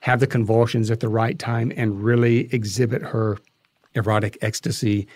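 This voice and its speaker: A man being interviewed as a guest, telling anecdotes conversationally and haltingly as he thinks aloud. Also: fairly low pitch, level tone, darkish tone, dry recording.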